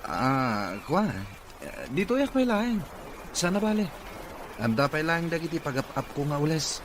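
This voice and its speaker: Man's voice, acting, pushy cousin, sly, drama delivery, swinging intonation, clear background noise. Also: fairly high pitch, very animated, unhurried. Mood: casual, stubborn. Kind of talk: Ilocano audio drama acting. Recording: noisy amateur recording.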